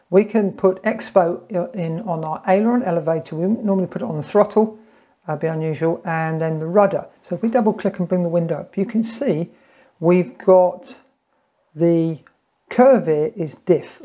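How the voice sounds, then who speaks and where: A man's voice: high voice, dark tone. A man in his fifties giving an informal, plain-spoken step-by-step tutorial in a small room at home. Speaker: tutorial presenter. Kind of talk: informal step-by-step instructional talk.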